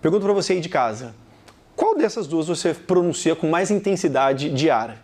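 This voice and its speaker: A man with a Brazilian Portuguese accent teaching a recorded video lesson, talking straight to the viewer and repeating example words slowly. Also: a little high, sing-song, darkish tone.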